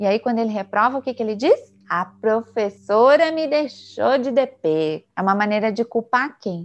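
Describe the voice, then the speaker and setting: With a normal speaking voice, a woman talks at a moderate pace and fairly high pitch, using lively intonation and hardly any pauses. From Brazil, ABC region of São Paulo. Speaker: psychologist and author. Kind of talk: interview about parenting. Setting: podcast.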